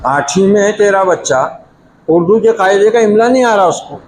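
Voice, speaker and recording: A man's voice: sits high, lively intonation, normal speed, a little hiss or hum. A male Islamic preacher giving a sermon in a scolding, emphatic way, pushing his voice up on key points. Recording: echoey room.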